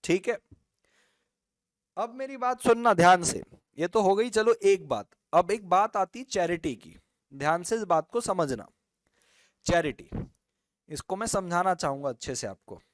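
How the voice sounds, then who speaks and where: A man leads an online law lesson with a smooth, high voice. He jokes with students and acts out examples. The sound is close and dry. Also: unhurried, long pauses, no echo. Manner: teasing students, lively storytelling. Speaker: law teacher. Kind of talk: online live class lecture.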